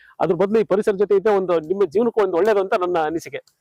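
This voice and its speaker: The man's high-pitched voice comes through with a dry, close sound and no echo. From North Karnataka, Haveri district. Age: old. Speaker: electrical contractor and farmer. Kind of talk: interview. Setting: outdoors on a farm.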